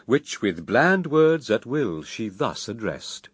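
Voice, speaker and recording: A man narrating epic verse for radio drama in a grave, theatrical, measured manner. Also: mid-range voice, big pitch swings, husky.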